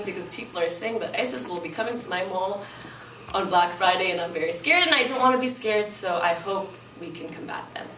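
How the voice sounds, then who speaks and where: Student girl doing a class speech, lowish voice, far from the mic in an echoey room. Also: fairly bright tone, a little hiss or hum. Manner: casual, uses like a lot. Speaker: student speaker. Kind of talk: extemporaneous speech.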